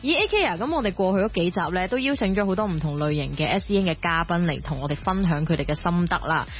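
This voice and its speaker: A woman's voice: fairly low pitch, expressive, quick pace, muffled recording, slight background noise. A woman with a Hong Kong Cantonese accent co-hosting and asking questions in a conversational style. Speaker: radio co-host. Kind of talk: conversational interviewing.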